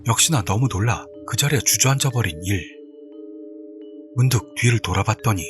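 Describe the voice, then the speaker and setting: A man in a mid-pitched voice tells a ghost story with dramatic, suspenseful pacing. Eerie background music sits under his narration. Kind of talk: scripted horror narration.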